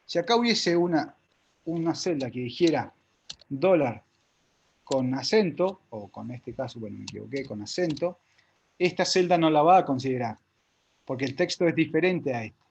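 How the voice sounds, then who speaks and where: A man's voice: fairly high pitch, lively intonation, normal speed, creaky, a little mellow, highs cut off, slight background noise. A man teaching a live spreadsheet class step by step, with an Argentine Spanish accent, often checking whether his students follow.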